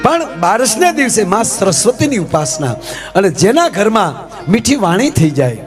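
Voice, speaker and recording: A man performs comic folk storytelling live. He chats with his listeners and keeps asking them rhetorical questions. Instrumental music plays clearly behind him. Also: sits high, sing-song, moderate pace. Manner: chatty, addresses the audience as "sir", rhetorical questions.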